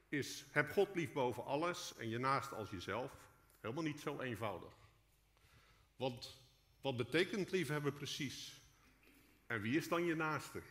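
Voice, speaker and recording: A man preaches with a bright, projecting voice at an average pitch, reading his sermon in earnest, measured phrases. Long cathedral-like reverb from the church hall trails his words. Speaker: preacher, guest speaker in a church. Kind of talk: sermon read from a prepared text. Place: large church hall, indoors.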